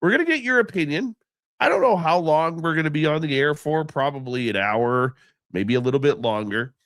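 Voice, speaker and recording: A man with a stuffy, congested nose hosts a live radio stream early in the morning, sounding sleepy and loose. His pitch swings widely as he rambles and greets viewers by name. The sound is dry and close, with no room echo. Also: lively intonation, a little fast, a bit bright. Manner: rambling, chatty, affectionate with viewers. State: sleepy, just woken up. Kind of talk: casual live show chat, reading out chat names.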